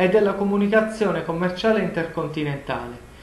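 A man's voice comes through with audible room echo and noticeable background noise around it. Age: 30s. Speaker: philosophy graduate. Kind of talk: prepared lecture. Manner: formal.

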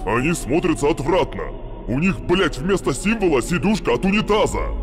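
Over loud background noise, a man does a put-on character voice in a high pitch at a fairly quick pace. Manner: foul-mouthed, irritable, complaining.

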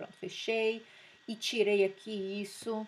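A woman speaks at a very slow pace, somewhat breathy and fairly high in pitch. Light background noise sits behind her. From Brazil. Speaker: YouTuber teaching productivity software. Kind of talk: screen-recorded tutorial. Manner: casual, conversational. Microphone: webcam.

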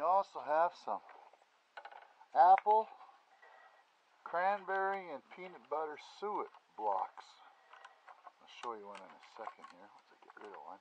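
Against noticeable background noise, a man speaks at a fairly slow pace with long, frequent pauses, the sound dry with no echo. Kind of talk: casual vlog chat. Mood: mildly annoyed, then relaxed. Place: garden. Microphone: camera far.

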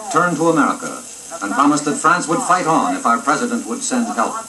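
Over noticeable background noise, a man with a high pitch talks at a very fast pace. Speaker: radio narrator / commentator. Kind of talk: documentary narration. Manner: dramatic, solemn. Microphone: old recording.

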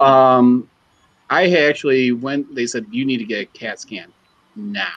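A man is speaking. He has an American accent. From US Midwest. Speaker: 3D printing and droid-building hobbyist; panelist. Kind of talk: casual group chat on livestream. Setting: video call. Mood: somber, matter-of-fact. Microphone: video call.

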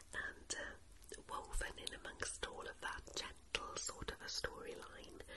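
Soft-spoken and with a Welsh accent, the voice competes with loud background noise. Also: woman. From Wales. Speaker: book vlogger. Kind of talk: ASMR book review talk to camera. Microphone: handheld.

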